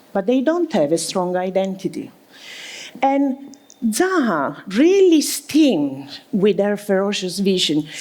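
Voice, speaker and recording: Her pitch swinging very widely, a woman with an Italian accent talks at a fairly slow pace. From Italy. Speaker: architect. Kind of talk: keynote talk. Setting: stage with audience.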